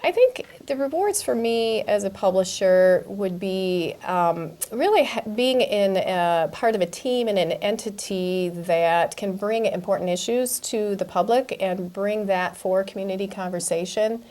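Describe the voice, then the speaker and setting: A woman, a guest professional giving halting, earnest, unscripted answers in an interview. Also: mid-range voice, darkish tone. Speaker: newspaper publisher being interviewed.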